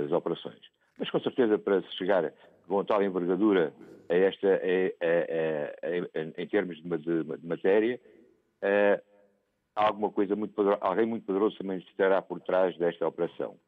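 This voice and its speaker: A man phoning in to a TV talk show to give his opinion, talking haltingly with many fillers and restarts. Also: low voice, no echo. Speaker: phone-in caller. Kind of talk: call-in opinion. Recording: tinny phone line.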